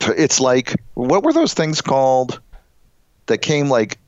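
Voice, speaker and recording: Nasal chicago guy cohosting a podcast, jokey, super lively pitch, dry muffled sound. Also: slow pace, dry recording. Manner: joking, laughs often. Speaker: podcast co-host. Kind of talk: casual chat.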